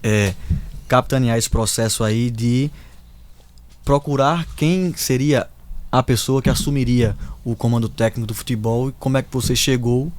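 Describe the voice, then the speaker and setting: A man hosting a club podcast, relaxed and jokey as he asks questions. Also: mid-range voice, moderate pace. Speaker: podcast host. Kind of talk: casual podcast interview.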